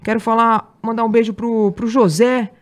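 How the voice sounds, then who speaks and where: A woman's voice: a little high, steady tone, moderate pace. A young woman, a guest on a casual chat, playful and jokey as she talks.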